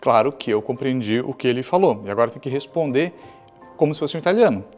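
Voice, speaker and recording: A man's voice: mid-range voice, expressive, fast, a little mellow, lo-fi sound, faint music behind. Brazilian man explaining a museum exhibit. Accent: Brazilian Portuguese. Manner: explanatory, walking the viewer through the exhibit. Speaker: museum guide. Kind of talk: explanatory on-site talk.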